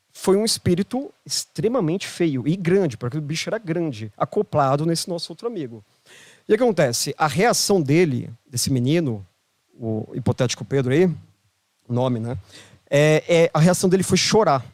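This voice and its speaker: Speaking at a moderate pace, this Brazilian-accented man, a holistic therapist guesting on a relaxed podcast, shares a story in a fairly high yet darkish-toned voice. His intonation is lively, and he keeps repeating phrases for emphasis. There's no room around the sound, just a dry, close capture.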